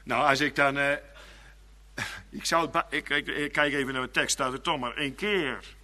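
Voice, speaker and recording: A man preaching a sermon in a church. He moves between hushed, slow pleading and raised, fervent preaching. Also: mid-range voice. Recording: long church reverb.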